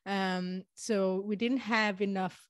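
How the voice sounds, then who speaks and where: A woman's voice: medium pitch, steady tone, slow pace, dry recording. Chatty woman from Pakistan, dry sound. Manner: chatty, laughs often, many fillers. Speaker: guest, motivational speaker. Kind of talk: conversational interview.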